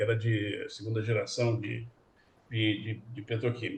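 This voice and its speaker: This man's voice is somewhat breathy, at a medium pitch. His intonation stays monotone and flat. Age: 70s. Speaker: retired safety engineer. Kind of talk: casual chat. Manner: halting, many repetitions.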